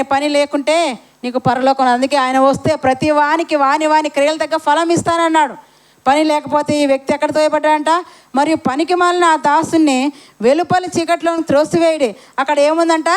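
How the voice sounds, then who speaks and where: High-voiced woman preaching with rhetorical questions. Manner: rhetorical questions, repeats phrases for emphasis. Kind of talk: sermon. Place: church service.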